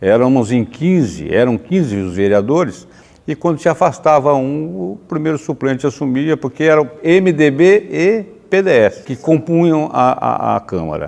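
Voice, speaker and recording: A man talks at a fairly slow pace. His fairly high pitch moves in very wide swings. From Brazil, Ourinhos, São Paulo state. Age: 60s. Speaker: former city council president. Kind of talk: interview.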